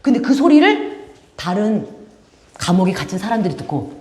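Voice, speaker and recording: Woman doing a kids sermon, high voice, lots of up and down, asks the kids stuff. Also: fairly quick, echoey room. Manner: animated storytelling with questions to children. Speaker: children's ministry teacher. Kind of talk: children's sermon. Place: church room.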